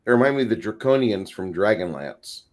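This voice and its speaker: A man's voice: fairly low pitch, lively intonation, fairly quick, crowd noise. A man chatting casually about tabletop games, blunt and profane, with a vivid way of describing things. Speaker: panelist on a role-playing show.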